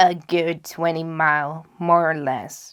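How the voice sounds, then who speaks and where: This gruff, growling put-on character voice moves at a fairly slow pace. Its intonation stays monotone and flat. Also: woman. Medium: read story. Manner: sulky, curt, muttering.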